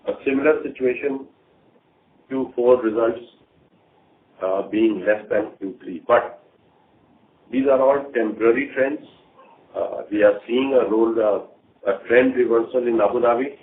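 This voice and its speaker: A man speaking as a company executive briefing investors on an earnings call, talking deliberately in short, halting phrases. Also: medium pitch. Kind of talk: earnings call management commentary. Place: conference call. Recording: tinny phone line with faint noise.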